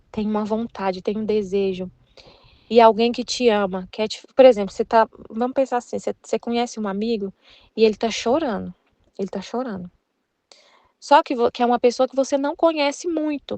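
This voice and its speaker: Brazilian woman, earnest faith teacher, casual and repetitive; higher voice, dry sound. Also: a little mellow, no room sound. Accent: Brazilian Portuguese. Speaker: Catholic study leader.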